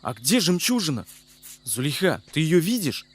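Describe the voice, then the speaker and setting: Lively, impulsive cartoon boy hero. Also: fairly high pitch, normal speed, husky. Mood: alert, protective. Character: brave, impulsive boy adventurer on a fairy-tale quest. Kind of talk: animated fairy-tale cartoon acting. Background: background music.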